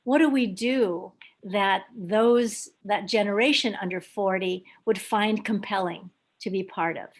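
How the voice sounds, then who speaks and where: An older woman from Hawaii, speaking in a meeting with many pauses, ums and restarts. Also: mid-range voice. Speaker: club member at a video meeting. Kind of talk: hesitant casual remarks.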